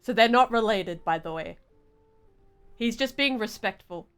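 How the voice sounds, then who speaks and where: A woman's voice: fairly high pitch, animated, measured pace, fairly bright tone, clean tone. A woman livestreamer giving chatty, giggly, casual reaction commentary while playing a story game.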